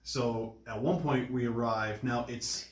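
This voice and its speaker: A man's voice: mid-range voice, fairly even intonation, unhurried. Man recapping casually, very echoey sound. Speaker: podcast co-host recapping a film. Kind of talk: casual film discussion and plot recap. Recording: echoey, roomy recording.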